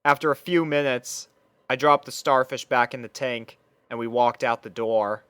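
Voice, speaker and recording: Clear-voiced man narrating fan fiction, dry recording. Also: medium pitch, fairly even intonation, normal speed, bright, forceful tone, no echo. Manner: conversational first-person storytelling with acted dialogue lines. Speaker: narrator and reader playing the first-person lead.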